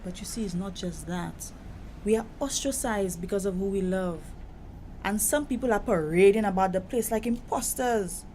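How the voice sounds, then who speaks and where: A woman's voice: medium pitch, normal speed, a little mellow, close to an everyday voice, low-quality recording. A woman with a Caribbean accent playing a proud, wounded young gay woman in a conversational audio drama, emphatic and indignant. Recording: noticeable background noise.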